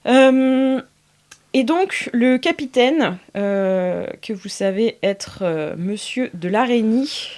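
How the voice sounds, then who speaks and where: A woman's voice: a little high, lively intonation, slow, a little mellow. Chatty woman narrating as game master. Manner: chatty, hesitant narration full of fillers, slips into theatrical character voices. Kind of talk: narrating an improvised tabletop game.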